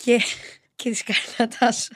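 A woman from Greece chats as a guest on a casual podcast. Her voice sits a little high, and she tells stories in an animated way, slipping into the people in them. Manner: lively storyteller, acts out quotes. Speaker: guest actress.

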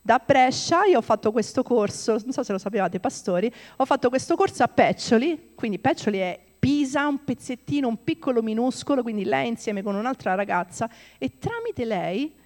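A woman's voice: a little high, lively intonation, normal speed, few pauses, darkish tone, in a large hall. A woman delivering a conversational sermon, reading scripture aloud and often checking in with her listeners. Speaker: preacher.

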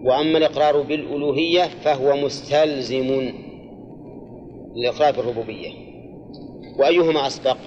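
A man's voice: mid-range voice, steady tone, brisk, pauses often, darkish tone, muffled recording. An older man teaching a grammar and exegesis class, explaining step by step, repeating key phrases and quizzing his students. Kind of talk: classroom lesson with questions to students.

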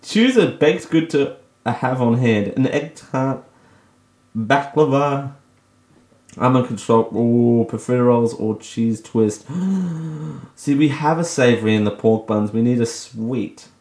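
A man's voice: mid-range voice, expressive, takes it slowly, darkish tone. An Australian man hosting a radio show, chatting casually on his own, joking at his own expense and laughing often. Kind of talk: casual solo radio talk. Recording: echoey room.

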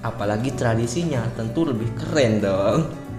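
A man's voice: mid-range voice, animated, normal speed. A man with a Javanese accent and a slight Madurese lilt, hosting a casual podcast monologue. He talks in a chatty, joking way and often asks himself questions and answers them. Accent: Javanese with Madurese touches. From Java. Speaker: podcast host. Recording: roomy echo with faint music behind.

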